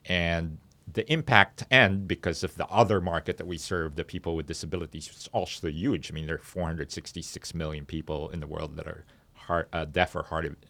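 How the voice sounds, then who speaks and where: A man speaking as an interview guest and startup founder, explaining his business in a conversational, halting and measured way in a studio. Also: deep voice, fairly even intonation, vocal fry, sharp tone, no room sound.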